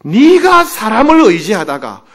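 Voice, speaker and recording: A man's voice: high voice, huge pitch swings, unhurried, fairly bright tone, voice pushed up, heavily acted. A man preaching acts out God as a stern fatherly male voice who reproaches in a raised voice. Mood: rebuking.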